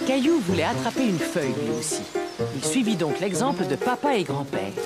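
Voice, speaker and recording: A woman playing the gentle narrator of a children's cartoon, telling the story in expressive scripted prose. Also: on the low side, brisk. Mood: storytelling. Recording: loud music behind the voice.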